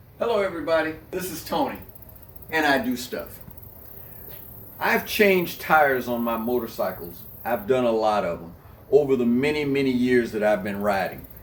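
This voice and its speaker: A man at a moderate pace with very wide pitch swings, long, frequent pauses, and audible room echo. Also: medium pitch for a man, big swings in loudness. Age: 60s. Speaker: DIY motorcycle hobbyist vlogger. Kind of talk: tutorial. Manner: casual, with fillers.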